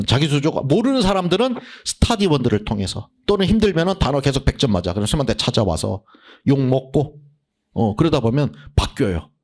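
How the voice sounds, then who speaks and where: A man giving a casual, blunt lecture orientation as a literature lecturer, often acting out students' voices. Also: medium pitch.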